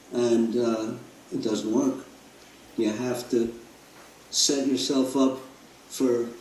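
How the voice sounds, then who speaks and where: A man speaks at a medium pitch and a very slow pace, with long, frequent pauses. Audible room echo surrounds his voice. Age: 80s+. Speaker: physician. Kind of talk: Q&A answer to a caller. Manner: hesitant, many fillers.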